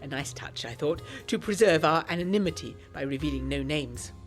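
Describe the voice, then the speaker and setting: A woman's voice: deep voice, expressive, fairly quick, soft background music. A woman playing a prim, resolute young woman, narrating a period audio drama in the first person with formal diction and wry asides. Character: prim, secretive, resolute young woman telling her gothic tale.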